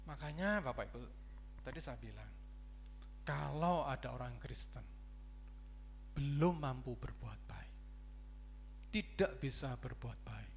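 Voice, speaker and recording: A man from Indonesia, a pastor preaching a sermon in a church, swinging between loud emphatic lines and quiet ones, calling for an amen. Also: mid-range voice, expressive, unhurried, vocal fry, pauses often, a little hiss or hum. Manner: preaching with rising and dropping emphasis, calls for amen. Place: church sanctuary.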